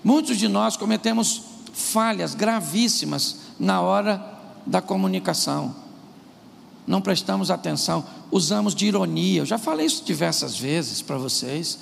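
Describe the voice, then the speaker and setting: Pastor, male, high gravelly voice, animated sermon delivery, echoey hall recording. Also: normal speed. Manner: animated preaching, acts out quarrels in put-on voices. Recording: echoey hall with faint noise.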